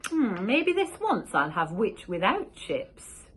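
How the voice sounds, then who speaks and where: A woman's voice: medium pitch, wildly swooping pitch, slow pace, a bit bright, slight background noise, heavily acted. A woman voicing a mean, hungry male dragon in a storybook reading. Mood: menacing.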